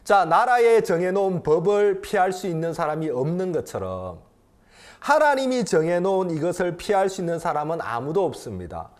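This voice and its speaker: A pastor in his fifties preaches with a high-pitched, sing-song voice at a moderate pace. He swings between loud, emphatic lines and quiet, intimate ones, repeating phrases for emphasis.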